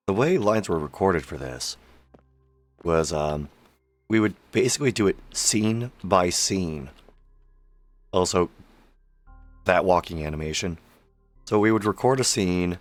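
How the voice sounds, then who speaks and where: A man with a very low, worn voice gives live game commentary. He is wry and mocking, sounding sick and tired from streaming, with faint music behind him. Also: dry recording. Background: game audio and music.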